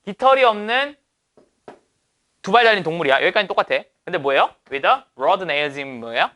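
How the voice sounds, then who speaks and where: Lively, bright-voiced male teacher. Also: high-pitched, normal speed. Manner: asks rhetorical questions and answers them. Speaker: English teacher. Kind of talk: lecture explaining exam passages.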